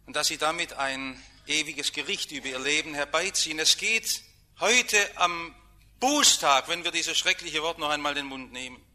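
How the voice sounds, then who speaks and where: A man preaching a sermon, emphatic, with dramatic swings between quiet and loud. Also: a little high, expressive, normal speed.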